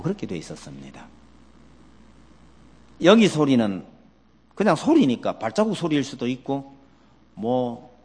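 A male pastor delivers a sermon with a swinging, expressive pitch, throwing question after question at his congregation. His voice rings out with a long reverb tail, as if recorded in a large church sanctuary. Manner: asks the congregation many questions; animated, acts out quoted voices.

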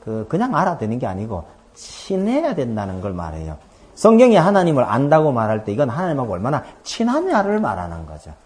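A middle-aged man preaching a sermon as a pastor, telling stories and acting out dialogue with sudden loud outbursts. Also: mid-range voice, wildly swooping pitch, fairly quick.

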